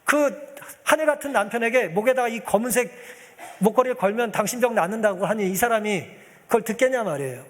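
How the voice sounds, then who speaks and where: A man's voice: sits high, expressive, fast, a bit bright, long reverb tail. A male pastor preaching a sermon, telling a story and acting out the pleas of its people as he addresses the congregation.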